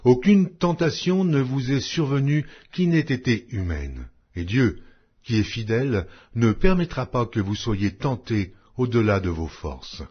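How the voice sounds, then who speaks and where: Male audio Bible narrator, lively intonation, rough-edged husky tone, solemn and declamatory delivery, slightly muffled lo-fi sound. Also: medium pitch, a little slow. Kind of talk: scripted scripture reading, solemn narration.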